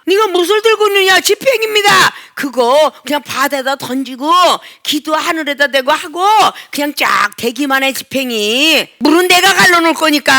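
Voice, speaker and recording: Woman pastor, very high bright voice with gravel, shouting sermon, church. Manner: shouting and crying out, acting out voices. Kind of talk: charismatic sermon.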